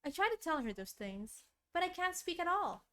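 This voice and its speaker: A woman game streamer reading a visual novel aloud in an expressive, dramatic storytelling style. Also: very high-pitched, moderate pace. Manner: expressive, dramatic read-aloud with casual asides. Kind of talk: soft storytelling narration. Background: game music.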